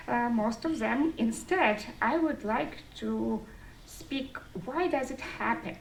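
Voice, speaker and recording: A woman's voice: a little high, vocal fry. A woman, giving a public speech in phrasing to an audience. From Estonia. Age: 30s. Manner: non-native English phrasing. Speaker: speaker at a disability forum, part-time professor. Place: indoor forum room with an audience. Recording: distant mic, roomy echo, faint noise.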